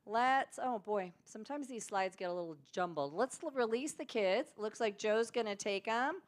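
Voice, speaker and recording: A woman's voice: fairly high pitch, lively intonation, normal speed. A woman hosting a spiritual center service. Her voice is slightly scratchy after an illness, and she is chatty and upbeat. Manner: chatty and upbeat, with small laughs. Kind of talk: leading a church service, welcoming and announcing.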